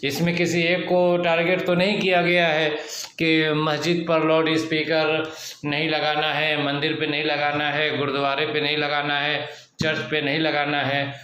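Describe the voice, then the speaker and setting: A man giving unscripted news commentary, speaking slowly and measuredly with frequent hesitant fillers. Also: on the high side, monotone, bright, forceful tone, roomy sound.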